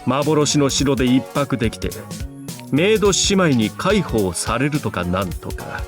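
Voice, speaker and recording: Stiff, fast-talking earnest schoolboy, played by an actor. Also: male voice, mid-range voice, big pitch swings, faint music behind, lightly acted. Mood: solemn storytelling. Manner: formal, archaic wording, stern. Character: stiff, earnest, old-fashioned high school boy. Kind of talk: Japanese visual novel voice acting.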